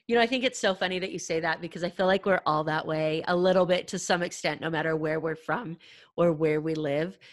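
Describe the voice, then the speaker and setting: A woman hosting an interview podcast and coaching pitch, talking in an upbeat, chatty way with casual fillers. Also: steady tone, brisk, no room sound, studio quality.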